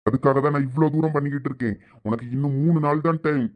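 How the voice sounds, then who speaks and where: A man's voice: fairly high pitch, very fast, lightly acted. A man voicing a scheming male villain in a cartoon, gloating and menacing, with a Thoothukudi Tamil accent. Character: scheming male villain holding a woman captive.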